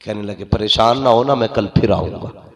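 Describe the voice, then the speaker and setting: A man preaching a sermon, telling a story, moving from hushed narration to shouted passages. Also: fairly low pitch, normal speed. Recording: roomy gathering with crowd. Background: congregation responding.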